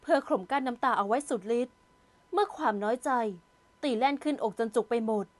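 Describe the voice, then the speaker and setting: A woman narrating a romance audio novel in a steady, measured storytelling voice. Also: high voice.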